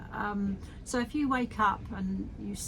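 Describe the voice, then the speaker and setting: With an English accent, a woman speaks at a medium pitch and ordinary pitch variation. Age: 50s. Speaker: artist and vlogger. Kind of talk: casual talk to camera. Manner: chatty, rambling.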